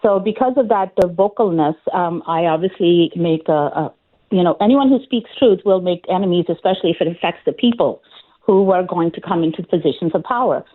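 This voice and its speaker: A woman's voice: fairly low pitch, lively intonation, brisk. Woman, political candidate, earnest campaigning tone, frequent fillers and restarts, phone-line sound. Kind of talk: phone interview on talk radio.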